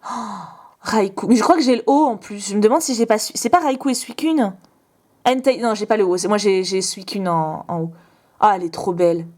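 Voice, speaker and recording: A young woman vlogger opening fan mail in casual chat, gushing with quick exclamations and asides. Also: mid-range voice, a little mellow.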